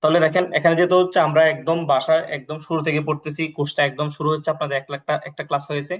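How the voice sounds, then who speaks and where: A young male teacher with a fairly high voice leads an online class. He explains each point patiently and drills the alphabet by saying every letter three times in a steady, even rhythm. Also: rapid-fire. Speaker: language teacher.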